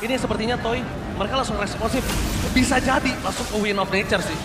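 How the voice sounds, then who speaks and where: A man with an Indonesian accent commentating live on an esports match, given to theatrical, drawn-out calls. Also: high-pitched. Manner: theatrical, drawn-out shouted calls in big moments. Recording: echoey shoutcast mixed over loud music.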